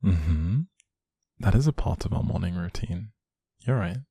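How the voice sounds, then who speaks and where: A man performs a doting young boyfriend in an intimate audio roleplay, talking one-to-one with gentle teasing and affection. His voice is deep, dark and soft with a husky grain, recorded very dry. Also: expressive, a little slow, no echo, exaggerated voice. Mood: tender. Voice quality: low, soft, husky, creaky.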